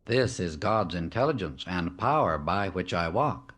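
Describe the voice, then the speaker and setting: A man narrating a scripted spiritual discourse as an audiobook, solemn and measured, setting out short phrases with emphasis. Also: low-pitched, animated, a bit bright. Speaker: audiobook reader.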